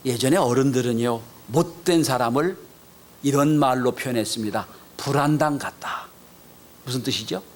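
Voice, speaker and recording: A male pastor preaching a Sunday sermon in a church, acting out quoted voices and dropping to soft whispers for emphasis. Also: medium pitch, normal speed. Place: church sanctuary.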